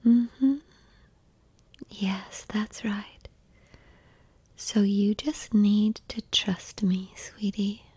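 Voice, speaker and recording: A woman whispering an intimate ASMR roleplay in a soft, coaxing, reassuring manner. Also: medium pitch, drawn-out words, long pauses, slightly rough, no echo.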